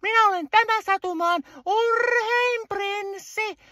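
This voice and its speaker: A brave little prince from a fairy tale, extremely high and piercingly bright. The delivery is earnest, defiant and heroic. The recording is dry and close. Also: female voice, no room sound. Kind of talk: children's fairy-tale character voice.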